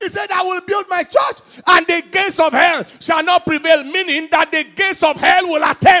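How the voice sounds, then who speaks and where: Shouting at a moderate pace with hardly any pauses, a man with an extremely high pitch sounds animated, his tone bright and sharp and his pitch variation ordinary, against a quiet background. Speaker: preacher. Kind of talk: sermon. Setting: church. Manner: animated, loud, call-and-response preaching; urgent, declamatory, rhythmic repetition. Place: church. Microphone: handheld.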